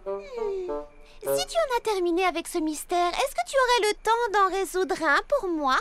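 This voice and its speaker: Very high-pitched sweet girl. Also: very animated, normal speed, over loud music. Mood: patient. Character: sweet, sensible, caring little cartoon girl. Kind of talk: French-dubbed children's cartoon acting.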